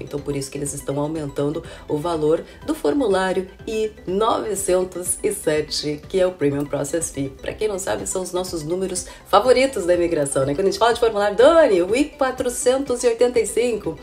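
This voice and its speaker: A woman in her thirties talks straight to the camera, hoarse from a cold, in a somewhat low voice. She keeps it chatty and informal, often checking in with her viewers. Soft music sits faintly behind her. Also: fairly quick, few pauses. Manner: chatty, addresses viewers as "gente", frequent "né?" and "viu?". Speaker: immigration consultant and channel host. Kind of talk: casual informative vlog to camera. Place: indoor room with window blinds. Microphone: camera at close range.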